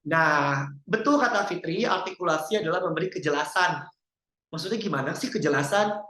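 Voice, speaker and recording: A man's voice: on the high side, a little fast. A man teaching public speaking in an interactive lesson, coaching and quizzing a participant. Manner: lively, coaching, asks the audience questions. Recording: roomy echo.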